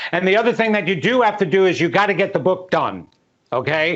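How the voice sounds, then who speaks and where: A man talks with a high voice and ordinary pitch variation. His pace is fairly quick. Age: 60s. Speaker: psychic medium. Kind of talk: psychic reading in interview.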